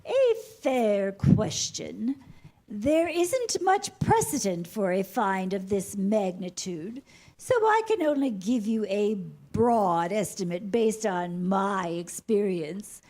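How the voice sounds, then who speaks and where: A woman playing a pompous antiques appraiser, formal and measured, in a comedy staged reading. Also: mid-range voice, sing-song, warm tone. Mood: measured, authoritative.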